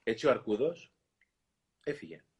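A man hosting a talk, reading a children's book aloud in an expressive storytelling way and pausing to comment. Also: medium pitch, husky, highs cut off. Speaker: host.

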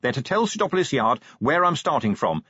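A gruff fantasy police commander from an audiobook, as acted by a man, with a husky edge to the voice. He is brisk and commanding, dryly sardonic, and his pitch moves about freely. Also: big pitch swings, sharp tone, no echo, dull audio, full character voice. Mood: urgent.

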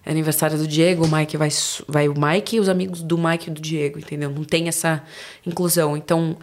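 A woman's voice: low-pitched, fast, slight background noise. A young woman with a São Paulo accent, chatting casually as a podcast guest and acting out the people she quotes. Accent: São Paulo Portuguese. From Brazil. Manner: animated storyteller, acts out quoted dialogue. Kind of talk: casual chat.

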